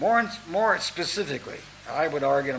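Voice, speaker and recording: A man with an American accent speaks amid noticeable background noise and audible room echo. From USA. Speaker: historian. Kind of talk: lecture.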